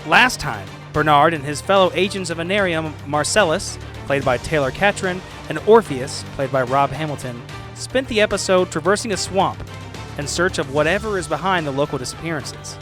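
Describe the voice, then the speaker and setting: A man's voice: fairly high pitch, moderate pace, over music. A man reading a scripted podcast introduction as the show's host.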